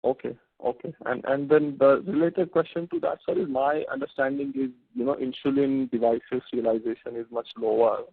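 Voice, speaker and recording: A man asking questions as an analyst on a conference call, polite and halting, often repeating words. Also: mid-range voice, animated, gravelly, breathy edge, dry recording. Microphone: phone handset. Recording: tinny narrow phone line.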